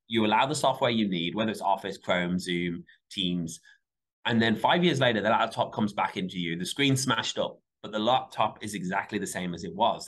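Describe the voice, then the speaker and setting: A man with a Michigan accent, a company CEO answering interview questions in an animated way. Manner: animated, quick pitch jumps when stressing points. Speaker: CEO and guest.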